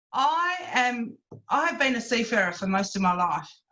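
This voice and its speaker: A woman in a strong Australian accent speaks with a bright, sharp tone. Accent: strong Australian twang. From Western Australia, Geraldton. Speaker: local councillor, former seafarer. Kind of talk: interview. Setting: video call. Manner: chatty, rambling with fillers.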